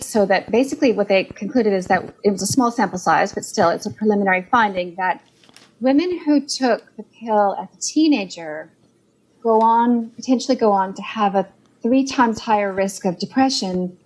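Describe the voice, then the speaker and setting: A woman's voice: medium pitch, moderate pace, a little mellow, rough recording. Earnest Canadian woman explaining research. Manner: earnest, explanatory, building detailed points. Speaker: guest, clinician and author. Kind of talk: podcast interview over a call.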